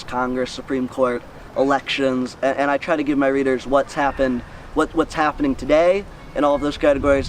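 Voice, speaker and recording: A man's voice: medium pitch, recorded from a distance, a little hiss or hum, poor audio. A teenage young man with an American accent answers interview questions casually and earnestly, thinking aloud and repeating words as he goes. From United States, Missouri. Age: teenager, high school student. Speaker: student newsletter writer, interviewee.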